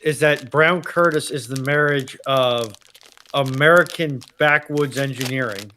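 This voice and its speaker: A man's voice: medium pitch, measured pace, bright, forceful tone, a little hiss or hum. A man chatting casually as a panelist on a live stream. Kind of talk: casual chat.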